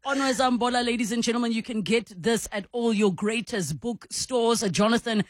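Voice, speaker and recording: A woman's voice: a little high, brisk, no room sound, studio quality. A woman hosting a radio interview, effusive, playful and teasing with her guest. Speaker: radio host. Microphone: studio microphone.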